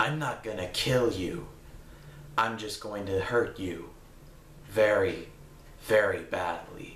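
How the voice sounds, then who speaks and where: A man puts on a character voice at a medium pitch, with long, frequent pauses over clear background noise. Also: fairly slow pace. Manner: menacing.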